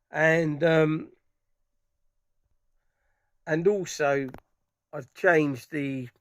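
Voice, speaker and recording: A middle-aged man giving rambling, enthusiastic impressions of loudspeakers from a dark room at home. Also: medium pitch, no room sound. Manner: rambling, enthusiastic, many restarts. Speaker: audio hobbyist vlogger. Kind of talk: casual product impressions.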